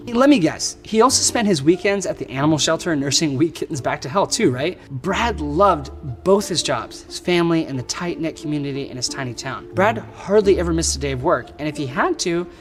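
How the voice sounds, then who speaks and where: A man's voice: a little high, lively intonation, brisk. A man narrating a scripted true crime story in a conversational way, with wry asides. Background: background music.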